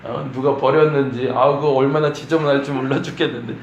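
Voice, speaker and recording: A man's voice: mid-range voice, fairly even intonation, brisk, slight background noise. A man preaching a morning prayer sermon as pastor, often acting out complaining prayers in a raised voice. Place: church sanctuary. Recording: echoey church room, faint ambience.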